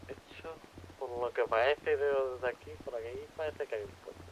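A man's voice: mid-range voice, normal speed. A man chatting casually while playing a roleplay video game. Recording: dull lo-fi voice chat, faint noise.

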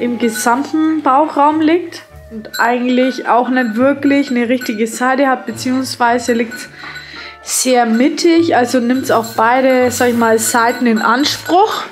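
A woman, explaining casually in a handheld farm video diary. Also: on the high side. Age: 20s. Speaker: farmer, vlog host. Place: farmyard and cattle barn. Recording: noisy handheld farm vlog.

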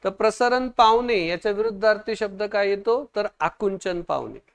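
A high-pitched man with some vocal fry and a clear, resonant tone runs an online exam-prep class. He fires questions at viewers, presses for quick replies, and compliments what they write in the comments.

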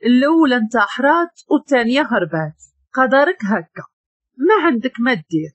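A woman's voice: high-pitched, big pitch swings, fairly quick, slightly rough, no echo, muffled recording, heavily acted. A woman voicing a scornful man who taunts a rival, speaking with a Moroccan accent, in a read-aloud story. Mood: mocking. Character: mocking man gloating over a rival.

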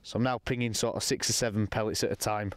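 A young man talking casually to camera while fishing from a lake bank outdoors, explaining his session in a relaxed, matter-of-fact way. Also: lowish voice, fast, no echo. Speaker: angler presenting a fishing session.

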